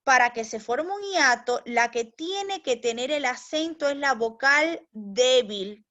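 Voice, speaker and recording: In a recorded children's language lesson, a primary school teacher speaks slowly in a high, animated voice with a sharp tone. She patiently goes through each step, addresses her pupils warmly as "mis niños," and checks in repeatedly with "¿ya?".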